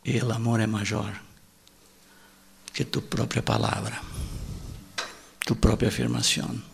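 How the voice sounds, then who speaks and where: A male preacher, a native Portuguese speaker, delivering a sermon in halting Spanish with Portuguese words mixed in, repeating his key line with emphasis and acting out the quoted voices. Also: on the low side, little pitch movement, gravelly, a little hiss or hum.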